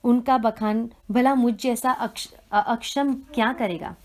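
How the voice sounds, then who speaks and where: A woman giving a measured, reverent devotional scripture reading. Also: a little high, fairly even intonation. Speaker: reader of a devotional text.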